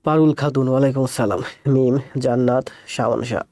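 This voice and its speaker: A man with a cold, speaking slowly and softly as he greets viewers before his live math class. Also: mid-range voice, fairly even intonation, no room sound, clean studio sound. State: has a cold. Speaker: math teacher.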